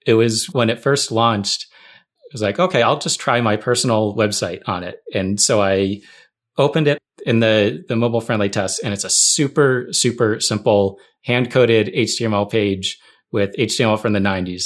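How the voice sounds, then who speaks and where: A man's voice: fairly low pitch, normal speed. A man co-hosting a podcast, chatting casually and telling anecdotes as a storyteller who quotes himself. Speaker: podcast host.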